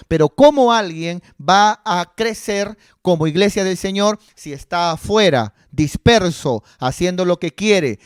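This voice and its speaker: A man preaching to his congregation in a high, bright voice, leaning on rhetorical questions and acted-out quotes. His voice is recorded close and dry, with little room sound around it. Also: clear, resonant tone, no echo. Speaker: pastor. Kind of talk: sermon.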